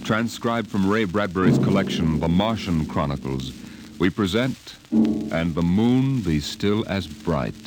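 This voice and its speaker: A man's voice: sits low, animated, measured pace, low-quality recording. An American man narrating a 1950s radio science fiction drama in a solemn, portentous, dramatic manner. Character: solemn storyteller of space expeditions. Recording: old 1950s radio broadcast under loud music.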